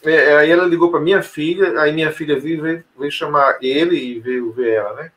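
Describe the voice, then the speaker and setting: A man's voice: fairly high pitch, normal speed, a bit bright. A man telling a personal story in an interview, hesitant, with many fillers and restarts. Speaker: interview guest. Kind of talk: casual storytelling conversation.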